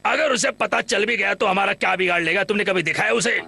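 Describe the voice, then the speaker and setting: A crafty, boastful cartoon trickster who orders people about theatrically. The voice is high and very gravelly, with clear music playing behind it. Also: male voice, a little fast, sharp tone, no echo, exaggerated voice. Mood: sly, scornful. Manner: theatrical, cackling, mocking. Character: crafty male con artist, greedy, bossy, boastful. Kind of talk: Hindi cartoon dub.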